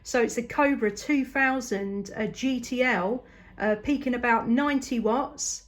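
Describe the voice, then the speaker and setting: A woman's voice: fairly high pitch, a little slow. A woman with a southern English accent chats casually and enthusiastically as a CB radio operator making long-distance contact. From southeast England. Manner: upbeat, enthusiastic, chatty.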